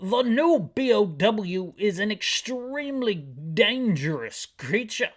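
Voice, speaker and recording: A game streamer putting on a high, grandiose, genderless chief. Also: big pitch swings. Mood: urgent, grandiose. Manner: overblown, drawn-out, emphatic delivery. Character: theatrical, non-gendered police-agency chief, urgent and grandiose.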